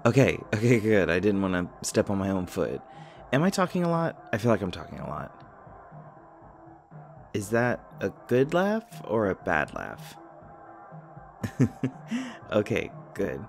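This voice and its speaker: A man's voice: lowish voice, huge pitch swings, a little slow, creaky, long pauses, faint music behind, heavily acted. A man playing an anxious, nerdy young college student in an audio roleplay, rambling and stammering self-consciously. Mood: flustered, friendly. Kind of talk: naturalistic audio roleplay acting.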